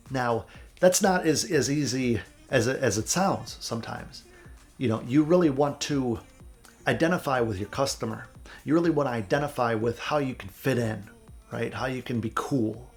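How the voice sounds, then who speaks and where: A man in his thirties from central Wisconsin, a music producer giving earnest, candid motivational advice to camera, raspy and stuffed up with a cold. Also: medium pitch. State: sick with a cold, stuffy nose. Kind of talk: vlog advice talk to camera.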